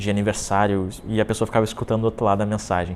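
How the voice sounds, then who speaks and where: Noticeable background noise behind a fairly quick pace. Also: man. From southern Brazil, Porto Alegre (Rio Grande do Sul). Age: 20s. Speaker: day trader and trading coach. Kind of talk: personal story monologue. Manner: casual, with fillers and self-corrections.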